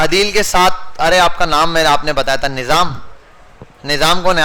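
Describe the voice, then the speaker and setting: Noticeable background noise sits under a man's high-pitched voice. His tone is animated and his intonation lively. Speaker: computer course instructor. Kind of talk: classroom lecture. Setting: classroom with students.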